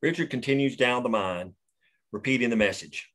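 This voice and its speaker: A man reading the action lines of a screenplay aloud at a table read, steady and plain. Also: medium pitch, moderate pace. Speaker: narrator reading stage directions.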